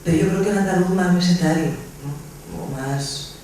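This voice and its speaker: Man, hesitant panel speaker, very reverberant room, clear background noise. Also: sits high, moderate pace, darkish tone. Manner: hesitant, searching for words. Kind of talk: spontaneous literary discussion. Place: echoey indoor hall at a public talk. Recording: distant, very echoey, noisy room.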